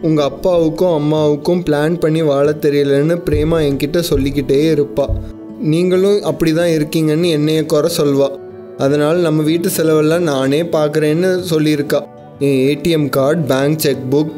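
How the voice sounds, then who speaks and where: Young man, actor playing a dismissive grown son, defensive, slightly high pitch, dark tone. Radio drama. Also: steady tone, moderate pace, faint music behind, lightly acted.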